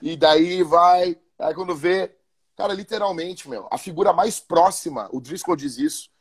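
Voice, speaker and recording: A pastor talks in a relaxed, animated podcast manner, often doubling back on his words. His voice sits high for a man. It has a husky, breathy edge. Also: normal speed. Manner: animated, colloquial, repeats and restarts words. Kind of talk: casual podcast talk about marriage.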